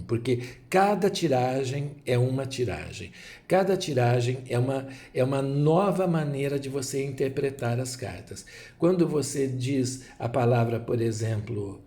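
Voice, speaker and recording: A man's voice: medium pitch, warm tone. A man with a Brazilian Portuguese accent explaining Lenormand cards in a rambling way, full of asides and rhetorical tags. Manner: digressive, many asides and rhetorical "né?". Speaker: tarot reader.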